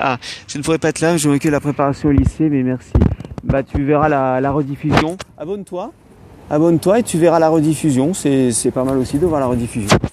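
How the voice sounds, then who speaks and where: A man's fairly high voice at a fairly quick pace, with ordinary pitch variation over noticeable background noise. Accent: French. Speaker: livestreamer teaching philosophy. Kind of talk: live stream talk to viewers. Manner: hesitant, many fillers.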